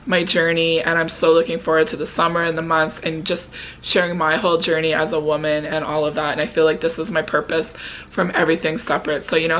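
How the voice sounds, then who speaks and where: A woman's voice: on the low side, fairly bright tone, slight background noise, poor audio. A woman of about fifty talking casually and earnestly to her viewers in a confessional way. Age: 49, turning fifty. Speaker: vlog host. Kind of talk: casual personal chat to viewers.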